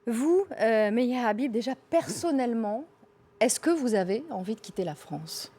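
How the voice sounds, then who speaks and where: Brisk TV news anchor woman, higher voice. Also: animated, dark tone, slightly rough. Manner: brisk, presses her questions. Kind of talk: live TV news interview.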